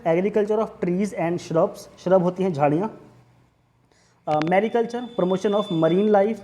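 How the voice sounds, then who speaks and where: A quiz teacher with a high, mellow voice runs a casual exam revision lesson, often saying "okay," repeating "theek hai," and mixing in English terms.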